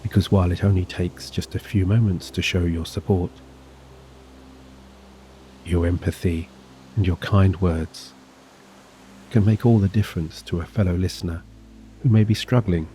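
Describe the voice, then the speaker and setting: Man, very low pitch, soft dark tone, soothing hypnosis narration, gentle measured phrasing, long pauses. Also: fairly even intonation, a little hiss or hum. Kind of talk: guided sleep hypnosis, scripted narration. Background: soft relaxing music and gentle waves.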